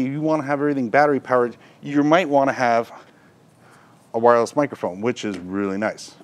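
Middle-aged male shop presenter, conversational and explanatory, for a casual product review. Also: mid-range voice. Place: indoor electronics shop.

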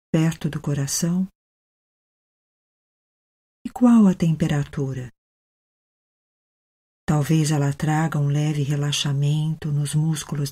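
Slow, low-voiced Brazilian woman guiding meditation. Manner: gentle, unhurried, with long pauses. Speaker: meditation guide. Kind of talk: guided meditation, soothing narration.

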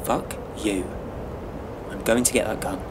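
An actor playing an angry, fed-up Arctic research scientist who swears and makes demands in an audio drama. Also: male voice, lowish voice, fairly even intonation, unhurried, background noise, lightly acted. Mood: furious.

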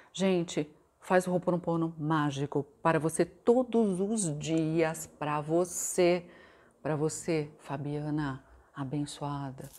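A Brazilian woman giving a motivational relationship talk in a conversational way, often asking tag questions and reciting mantras slowly and softly. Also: on the low side. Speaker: self-help and relationship coach.

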